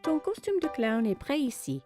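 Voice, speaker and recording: A woman's voice: high-pitched, very animated, normal speed, over music. A woman playing a kind young mother in a children's cartoon, speaking in an encouraging, playful way. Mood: reassuring. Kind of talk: animated children's cartoon dialogue.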